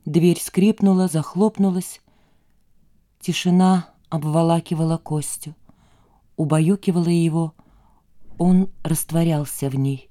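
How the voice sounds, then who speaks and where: A woman narrating an audiobook in a steady, measured storytelling manner. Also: fairly low pitch. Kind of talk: scripted narration.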